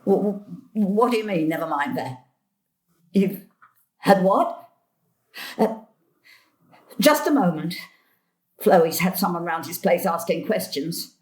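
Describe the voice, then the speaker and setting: A woman playing a sharp, gloomy elderly grandmother in an audio drama, blunt and querulous. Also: lowish voice, animated, takes it slowly, pauses often. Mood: indignant. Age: older. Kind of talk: stage-thriller audio drama acting.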